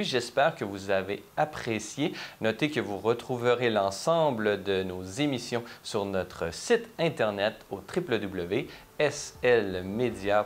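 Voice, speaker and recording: A male television host at a middle pitch. He asks questions and closes the program in a measured, formal tone. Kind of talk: TV interview and sign-off.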